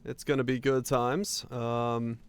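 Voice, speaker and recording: A man's voice: mid-range voice, little pitch movement, slow, clear, resonant tone. A man livestreaming over a headset mic, chatting in a laid-back way with frequent laughs and trailing fillers. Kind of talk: casual gameplay chat.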